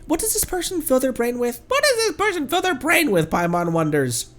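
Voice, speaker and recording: A tiny, nosy fairy companion with a squeaky voice pitched far up, as a man puts her on. She chirps, bounces through lively rises and falls, and sounds a little distant from the mic, with faint music underneath. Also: brisk, exaggerated voice. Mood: teasing.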